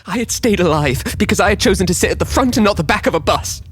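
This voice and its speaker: A man's voice: high voice, animated, fast, fairly bright tone, husky, no echo, soft background music, voice pushed up, heavily acted. A man performing a dramatic monologue as a bitter, defiant survivor, with an intense delivery. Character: bitter, guilt-defying man who survived by chance.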